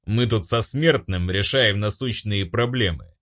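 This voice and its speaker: A man's voice: lowish voice, a little slow, a bit bright. A man voicing a stern, pompous male angel who speaks in grand, solemn tones. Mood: irritated. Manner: solemn, grandiose, then snapping.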